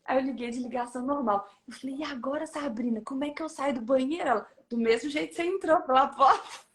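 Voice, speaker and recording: A woman, telling a personal testimony in a lively way and acting out the people in it. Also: high voice, quick pace, a little hiss or hum. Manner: acts out quoted people, laughs often. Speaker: guest sharing a testimony. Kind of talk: animated storytelling.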